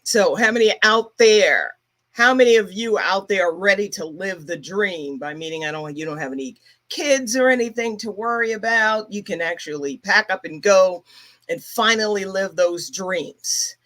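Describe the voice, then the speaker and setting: A woman's voice: mid-range voice, normal speed, a bit bright. A middle-aged woman from Brooklyn hosting a casual livestream, chatting and greeting viewers by name. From Brooklyn, New York. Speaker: travel agency owner and livestream host.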